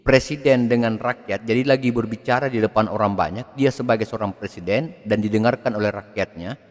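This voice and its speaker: Man, lecturer, video lesson, expressive delivery, lower voice, long hall echo. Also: a little fast. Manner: expressive, swings pitch and loudness to demonstrate. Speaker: lecturer on public speaking.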